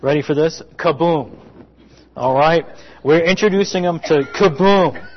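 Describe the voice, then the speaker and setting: Folksy rambling preacher man, lo-fi. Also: fairly high pitch. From South Florida. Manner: rambling, halting, folksy asides to the congregation. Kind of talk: conversational sermon with family stories.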